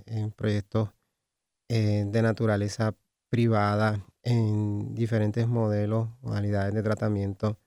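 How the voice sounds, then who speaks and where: A man's voice: lowish voice, warm tone, no room sound, studio quality. A Puerto Rican man in his forties, an addiction specialist speaking as a radio guest, professional but with many hesitant fillers. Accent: Puerto Rican Spanish. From Puerto Rico. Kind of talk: radio interview. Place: radio studio.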